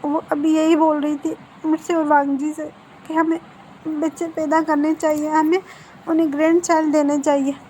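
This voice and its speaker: A tearful, anxious young man pleads through his crying in a storybook retelling, as a woman reads him out. The voice sits high and soft, with a mellow tone. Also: flat delivery, normal speed, a little hiss or hum, close to an everyday voice. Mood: tearful, pleading.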